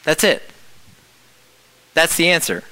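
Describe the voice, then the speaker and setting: Bright-voiced man preaching. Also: on the high side, lively intonation, slow, poor audio. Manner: reflective teaching with rhetorical questions. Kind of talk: sermon.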